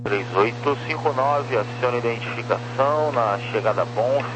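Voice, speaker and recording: A Brazilian man speaks through a humming, clearly noisy two-way radio in the style of police radio traffic. His pitch is middling, and he gives air traffic instructions in clipped procedural phrases, reading numbers one digit at a time. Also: normal speed. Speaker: air traffic approach controller.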